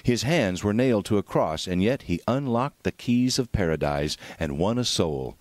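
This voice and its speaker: A man's voice: fairly low pitch, animated, moderate pace, no room sound. A man reading a devotional sermon aloud in a solemn, dramatic, oratorical manner. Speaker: reader of a devotional book.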